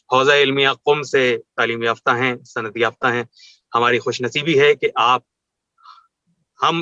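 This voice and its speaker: Formal tv host guy, bright pushy voice, super polite with titles for his guest, dry dullish sound. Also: mid-range voice, dry recording. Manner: courteous, formal, full of honorifics and blessings. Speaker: TV show host. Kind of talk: formal religious talk show hosting. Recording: dull lo-fi studio sound, dry.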